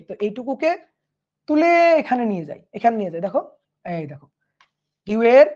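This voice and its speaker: A male physics teacher with a fairly high voice talks students through a lesson in a loose, chatty way. He keeps stopping to ask whether they follow, and sometimes goes quiet and hushed. The recording sounds dull and lo-fi. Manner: drops to a hushed voice at times. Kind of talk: online class lecture.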